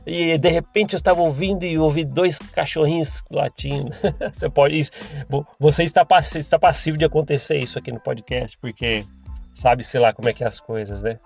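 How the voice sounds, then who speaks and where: A man's voice: fairly high pitch, fairly even intonation, a little fast, creaky, a little mellow, faint music behind. A Brazilian man hosting a podcast and talking casually, rambling with restarts and chuckles. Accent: Brazilian Portuguese. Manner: chatty, rambling, with frequent restarts and laughs. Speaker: podcast host.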